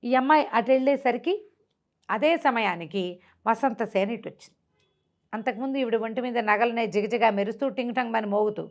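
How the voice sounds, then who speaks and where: A woman's voice: on the high side, fairly quick, darkish tone. A woman tells a classical tale off the cuff as a storyteller, explaining conversationally and repeating phrases as she goes.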